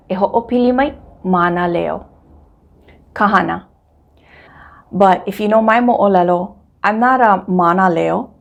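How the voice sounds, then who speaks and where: Hawaiian woman teaching, gravelly voice. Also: mid-range voice. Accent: Hawaiian English. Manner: friendly, repeats words slowly for listeners to echo. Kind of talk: casual vlog-style language lesson.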